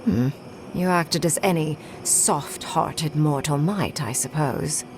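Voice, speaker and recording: An actress playing a haughty, jaded archmage in a video game, speaking in an imperious, dryly disdainful way. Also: female voice, sits low, takes it slowly, background noise. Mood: haughty disappointment. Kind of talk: video game character acting.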